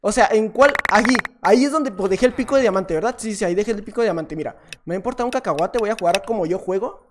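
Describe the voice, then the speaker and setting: A man with a Mexican Spanish accent giving chatty, self-mocking gameplay commentary, with sudden excited shouts. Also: sits high, fast talker, noisy background. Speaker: gaming YouTuber.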